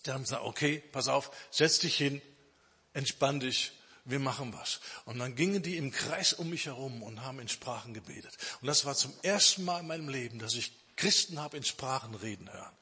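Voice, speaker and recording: A man preaching a sermon testimony, emphatic, stretching some phrases out slowly. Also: mid-range voice, bright, forceful tone, husky. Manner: emphatic, with slow drawn-out phrases. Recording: long hall reverb.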